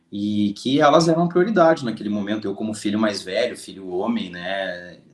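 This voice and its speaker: A man speaks in a southern Brazilian accent at a moderate pace. His pitch swings very widely. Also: fairly low pitch for a man. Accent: gaúcho. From Rio Grande do Sul, Brazil (Santa Maria). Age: 30s. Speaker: civil servant, exam passer. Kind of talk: interview.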